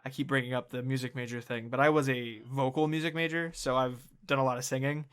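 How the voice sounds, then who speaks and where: A man's voice: medium pitch, quick pace, clear, resonant tone. Young guy podcast cohost, tenor voice, gets hyped and curses a lot, says like and uh constantly. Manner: excitable, swears a lot, many fillers. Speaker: podcast co-host. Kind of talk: casual chat.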